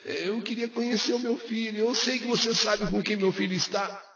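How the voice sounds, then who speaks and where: A man's voice: high-pitched, moderate pace, creaky, fairly bright tone, voice pushed up. A man voicing a young grieving mother who pleads tearfully for her child in a radio story. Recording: roomy, muffled radio recording.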